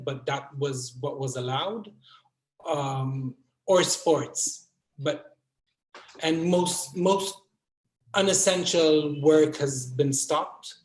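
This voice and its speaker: Man explaining calmly in an echoey room. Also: fairly high pitch. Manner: measured, explanatory, with some fillers. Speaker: theatre director, guest. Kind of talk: conversational interview over video call. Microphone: video call. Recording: echoey room on video call.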